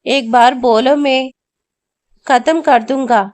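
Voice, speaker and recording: A woman's voice: sits high, steady tone, slow, a little mellow. A woman voicing a brash, hot-tempered young man who mixes Hindi words into his Telugu in an audio story. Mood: angry, defiant.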